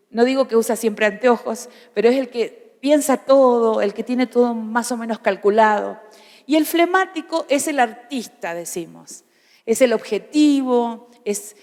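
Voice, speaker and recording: A woman's voice: fairly high pitch, a little mellow. A woman in her fifties, a pastor's wife, teaching a church parenting class in a humorous, conversational way with frequent restarts. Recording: hall reverb.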